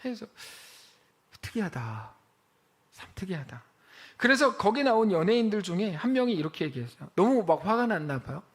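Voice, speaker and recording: A man preaching a sermon as pastor of a church, telling a story in a lively way and acting out the quoted voices of the people in it. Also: high voice, moderate pace, slightly rough. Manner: animated storytelling, acts out quoted voices, exclaims.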